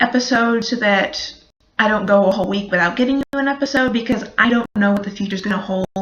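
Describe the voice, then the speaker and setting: This is a normal speaking voice from a woman with a fairly high pitch and fairly even intonation. The sound is dry and close, with no echo. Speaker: knitting podcaster. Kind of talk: casual video podcast monologue. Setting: recording at home desk.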